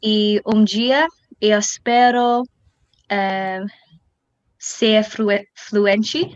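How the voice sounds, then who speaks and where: A woman from England with an English accent, a native English speaker haltingly introducing herself as a language student. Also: mid-range voice, steady tone, clear, resonant tone, muffled recording. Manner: halting learner's speech. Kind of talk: hesitant self-introduction in a foreign language.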